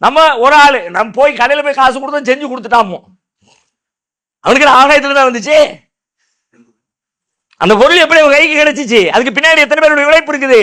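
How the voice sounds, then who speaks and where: A man preaching from a stage podium, chanting scripture verses slowly and then explaining them in everyday speech. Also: very high-pitched, bright, forceful tone. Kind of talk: Islamic sermon on a stage. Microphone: podium microphone.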